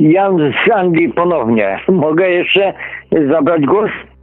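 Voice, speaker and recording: Music plays behind a man with a high pitch. He talks at a very slow pace with long, frequent pauses and very even loudness. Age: 60s. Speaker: radio caller. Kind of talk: phone-in discussion. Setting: phone call.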